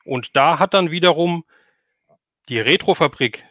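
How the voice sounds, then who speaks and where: A man with a fairly high voice hosts a casual livestream interview. He is chatty and enthusiastic, and the sound is close and dry. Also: animated, a little slow, bright, forceful tone, no echo. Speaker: stream host interviewing a guest.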